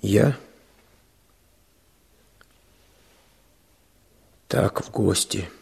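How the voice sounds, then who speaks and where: A restless, lovesick villager in a radio drama. The voice is lowish, very husky and creaky, weary yet stubborn. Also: male voice, takes it slowly, a little mellow, full character voice. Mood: troubled.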